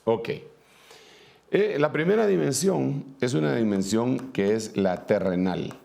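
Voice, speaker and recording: A man's voice: mid-range voice, slow pace, vocal fry, warm tone. A man preaching a sermon, reading scripture aloud and then explaining it at a whiteboard with many fillers and asides.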